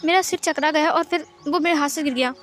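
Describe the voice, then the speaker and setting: A woman's voice: high voice, fast talker, lightly acted. A woman voicing a fragile, shy young man who stammers through flustered denials. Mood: hesitant.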